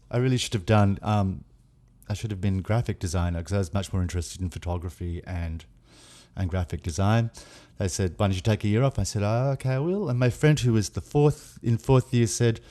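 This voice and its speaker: A man from Australia with an Australian accent, a guest in casual chat, telling rambling, self-deprecating stories with quick asides. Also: fairly low pitch, a little mellow.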